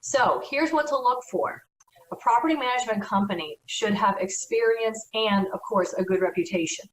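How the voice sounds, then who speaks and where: A woman's voice: a little high, normal speed, a little hiss or hum. A woman, a real estate broker, giving earnest, conversational advice in an educational talk. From United States. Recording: echoey room, from far off.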